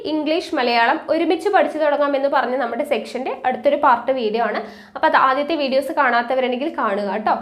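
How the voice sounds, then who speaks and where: A woman teaching a language lesson, patiently repeating words and answering her own questions. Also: high voice. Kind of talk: exam-prep language lesson.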